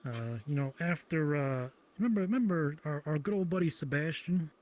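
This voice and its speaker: A man improvising in-character conversation, informal, halting and rambling as he talks. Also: a little high, expressive, darkish tone. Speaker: roleplayer in a virtual reality game.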